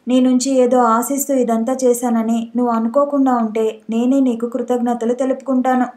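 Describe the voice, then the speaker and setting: A woman reading the lines of a composed adult man, calm and in control, with a measured, quiet delivery. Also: fairly high pitch, lightly acted. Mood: cool.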